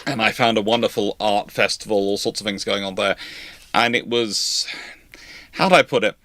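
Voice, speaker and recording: Scottish guy rambling on a live q&a, bright voice, dry close sound. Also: lowish voice, fairly even intonation, moderate pace, no echo. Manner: chatty, rambling, self-interrupting, laughs at own jokes. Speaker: naval history channel host. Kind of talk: casual live Q&A chat.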